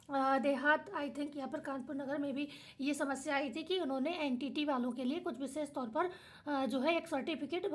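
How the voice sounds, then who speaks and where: A young woman with a tired, hoarse voice, hosting an education channel and going through an official notice point by point in plain words. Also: sits high. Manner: reads notice then explains in plain words. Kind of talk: explaining official notice to viewers.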